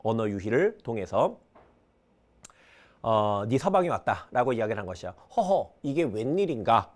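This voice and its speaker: A man's voice: mid-range voice, sing-song, normal speed. A male teacher giving a casual exam-prep lecture on a classic novel, quizzing students and reading lines aloud. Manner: reads character lines aloud with brief dramatizing.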